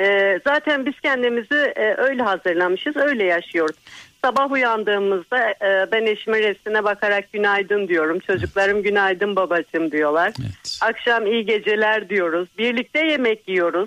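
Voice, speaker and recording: A woman's plain, everyday voice at medium pitch, lively in intonation, at a moderate pace with hardly any pauses, very even loudness, and a dry, close sound with no echo. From Artvin, Turkey. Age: under 51. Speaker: caller, wife of a prisoner. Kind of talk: emotional phone call to radio show.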